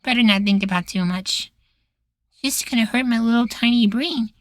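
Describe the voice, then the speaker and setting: A man voicing a cheerful, naive young boywife in an intimate ASMR roleplay, soft, doting and chatty. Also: extremely high pitch, moderate pace, no echo, studio quality. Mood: musing.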